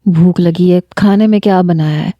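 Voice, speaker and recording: A woman voicing a middle-aged father in a storybook reading, calm and matter-of-fact. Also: on the low side, dry recording, lo-fi sound, lightly acted. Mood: easygoing.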